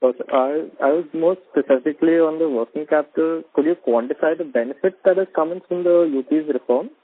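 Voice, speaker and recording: A man's voice: a little high, fairly quick, dry recording. A man, an analyst asking direct, polite questions on an earnings call. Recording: dry tinny phone line.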